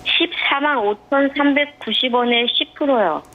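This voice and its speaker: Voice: high-pitched, measured pace, highs cut off. A caller phoning in for stock advice who answers in short, agreeable replies. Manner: brief, compliant replies. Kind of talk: phone call to a stock advice show.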